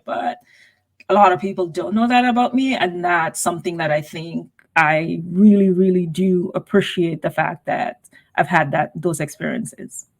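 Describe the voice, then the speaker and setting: A woman from Guyana, a podcast guest, telling personal stories in a thoughtful, steady conversational way. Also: lowish voice. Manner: thoughtful, steady, personal anecdotes with frequent "you know" and "right?". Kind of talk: reflective conversational storytelling.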